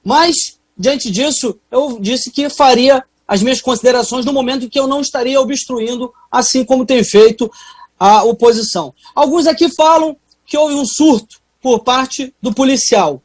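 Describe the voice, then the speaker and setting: A Brazilian Portuguese-speaking woman delivers a fiery, emphatic parliamentary speech, her voice pitched high and husky. The sound is dry and close. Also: moderate pace, a little mellow, no room sound. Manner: combative, emphatic. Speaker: legislator.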